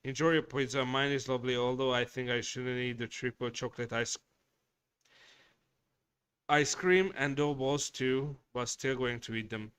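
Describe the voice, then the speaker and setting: Bright, crisp-voiced man swearing casually. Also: mid-range voice, steady tone, normal speed, dry recording. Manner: profane, blunt and rambling. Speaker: livestream host. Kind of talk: casual livestream chat reading viewer messages.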